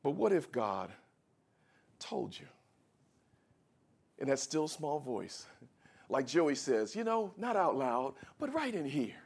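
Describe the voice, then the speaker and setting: A man delivers an animated sermon to his congregation. His voice sits high for a man and leaps all over the place, dropping low and quiet, then rising into shouts as he plays out the scripture. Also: slow, gravelly, pauses often, breathy edge. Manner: animated preaching, acts out a stammering Moses with shouts. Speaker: pastor.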